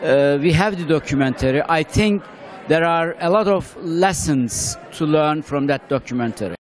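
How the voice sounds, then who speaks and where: A man with a Turkish accent, a scholar giving a measured, halting interview with pauses and fillers. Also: fairly high pitch, animated. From Turkey.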